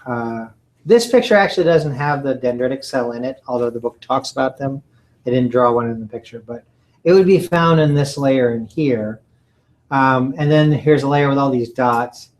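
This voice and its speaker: A college lecturer with a medium-pitched voice gives a recorded lecture from slides, and the audio is poor. He halts often, clearing his throat and saying um and uh.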